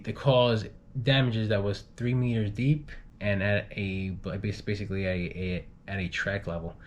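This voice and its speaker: A man reading travel news in an unpolished, halting way, stumbling over and repeating words. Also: fairly low pitch, slight background noise. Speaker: guest news reader, group moderator.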